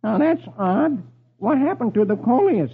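A man's voice: very high voice, expressive, normal speed, gravelly, husky, pitched above the performer's own voice, exaggerated voice. A man doing a wry, lazy army private. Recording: dull old radio recording.

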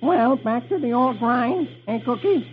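A man's voice: very high voice, animated, measured pace, a little hiss or hum, voice pushed up. A man doing a wry, lazy army private. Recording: dull old radio recording.

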